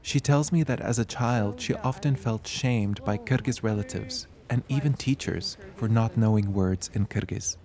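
A man narrating a radio documentary as a reporter, in a measured, explanatory way. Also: on the low side, darkish tone.

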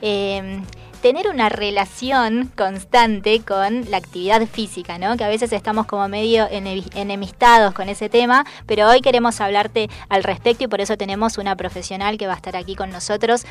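A woman co-hosting a radio show, chatty and playful, at a middle pitch. A quiet music bed runs underneath. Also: fairly even intonation, moderate pace. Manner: chatty, laughs easily, playful. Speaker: radio co-host. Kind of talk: lively radio chat.

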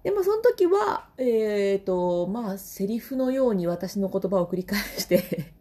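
A woman's voice: medium pitch, big pitch swings, unhurried, warm tone. A woman in her thirties with a Kansai accent, hosting a casual solo podcast and laughing often between phrases. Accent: Kansai Japanese. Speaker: podcast host and vocal trainer.

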